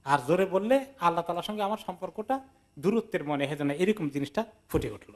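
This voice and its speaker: High-voiced man giving a sermon. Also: animated, fast. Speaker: Islamic teacher giving Quran tafsir. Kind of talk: sermon-style lecture with acted anecdotes.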